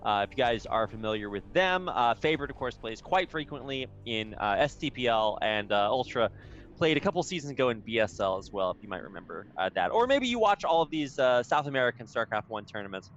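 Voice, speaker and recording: Male play-by-play caster, casual and upbeat, mid-pitched, faint music under the voice. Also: sing-song, brisk, fairly bright tone, dull audio. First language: English, with Spanish as second language. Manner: chatty, upbeat, casual with many fillers. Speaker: esports caster. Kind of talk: live game commentary.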